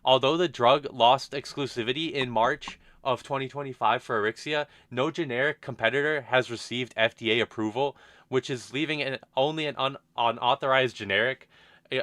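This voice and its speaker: A man's voice: medium pitch, normal speed, fairly bright tone, no room sound. A man hosting an investment channel, talking through a company's quarterly results in an unscripted, thoughtful way with frequent restarts and fillers. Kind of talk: unscripted stock analysis monologue.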